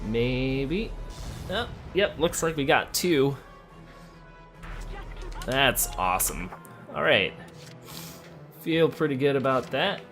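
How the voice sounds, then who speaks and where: A man's voice: mid-range voice, lively intonation, takes it slowly, pauses often, fairly bright tone, faint music behind. A man giving casual let's play commentary on a video game, thinking aloud and talking to the characters as he plays. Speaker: gamer playing a video game.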